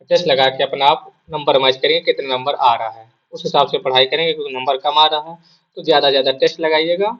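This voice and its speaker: A man with a sore throat coaches exam students in a loose, conversational lesson. His voice sits slightly high and keeps coming back to the same points. The sound is muffled and low-fidelity. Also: a bit bright. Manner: repeats points, asks and answers his own questions. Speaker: exam prep teacher. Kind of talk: casual spoken lesson.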